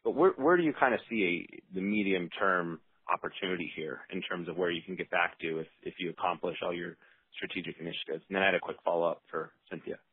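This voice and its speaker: A deep-voiced man with a husky edge talks over a dry phone line. He is an analyst posing a spontaneous question, restarting his phrases as he goes. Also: fast, no room sound. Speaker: financial analyst asking questions. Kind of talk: spontaneous conference call question.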